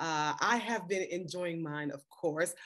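The background stays quiet. A woman talks at a very slow pace. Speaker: host of online media show. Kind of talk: casual vlog chat. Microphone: webcam.

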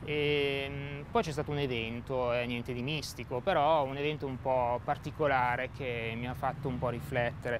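A man talks at a moderate pace with hardly any pauses and fairly even intonation. The sound is dry with no echo, but there is noticeable background noise. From northern Italy, Brianza (Lombardy); Lombardy, Italy. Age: 40s. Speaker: deacon and care worker. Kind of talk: interview. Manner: halting. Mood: calm, reflective, hesitant. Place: garden.

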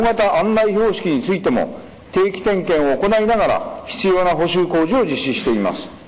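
Pitched high, a man speaks with lively intonation. His pace is moderate. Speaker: prefectural government official. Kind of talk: formal parliamentary answer. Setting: assembly chamber. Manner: formal. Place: hall. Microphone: podium.

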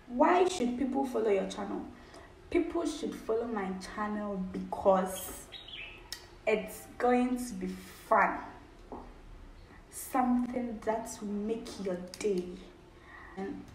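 A woman speaks at a very slow pace, with light background noise and audible room echo. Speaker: vlogger. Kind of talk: casual vlog chat. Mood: playful, laughing. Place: home room. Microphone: phone near.

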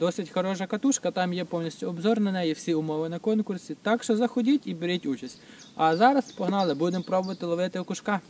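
Talking at a very fast pace, a man with a high pitch and ordinary pitch variation comes through dry with no echo over light background noise. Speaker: fishing vlogger. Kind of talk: casual vlog chat. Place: waterside. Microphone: camera far.

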